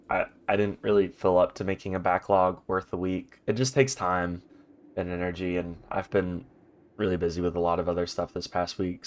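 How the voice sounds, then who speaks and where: A man hosting a game playthrough in a rambling, chatty way, his voice congested from a stuffy nose, recorded at home. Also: sits low. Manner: rambling, chatty, many ums and restarts. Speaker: let's play host. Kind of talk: casual gaming commentary. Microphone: home recording mic.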